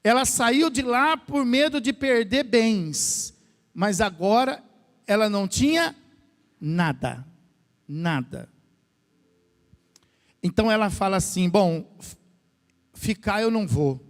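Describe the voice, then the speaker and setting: A man's voice: sits high, animated, slow, long pauses. A Brazilian man, a pastor, preaching a sermon to his church, asking the congregation questions and acting out what people say. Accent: Brazilian Portuguese. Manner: asks the congregation questions, acts out quoted voices. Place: church hall. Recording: long church reverb.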